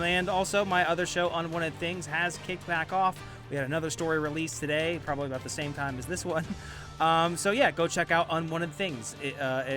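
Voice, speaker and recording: A man hosting a podcast, speaking casually and directly to listeners with some hesitant pauses. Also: on the high side. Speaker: podcast host. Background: music.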